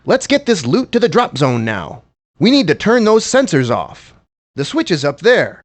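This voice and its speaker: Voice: medium pitch, big pitch swings, normal speed. An actor voicing an earnest cartoon adventurer, eagerly giving hints to friends in a video game. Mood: urgent, eager. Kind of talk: video game hint lines.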